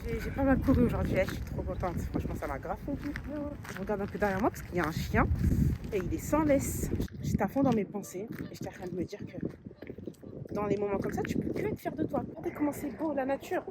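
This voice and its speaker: A young woman vlogging outdoors during a run, excited and cheerful, with casual slang, into a handheld phone. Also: fairly high pitch, fairly quick. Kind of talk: casual vlog chat. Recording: outdoor noise clearly audible.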